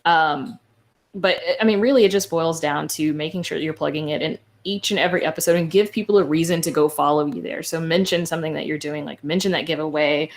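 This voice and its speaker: A woman's voice: low voice, fast talker. A woman speaking as a podcaster on a panel, giving informal, explanatory advice in a conversational way.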